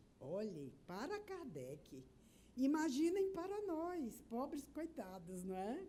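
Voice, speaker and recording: Very slow and high-pitched, a woman with a dark, mellow tone makes very wide pitch swings, with audible room echo around her. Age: 60s. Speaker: spiritist speaker and university professor. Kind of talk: lecture.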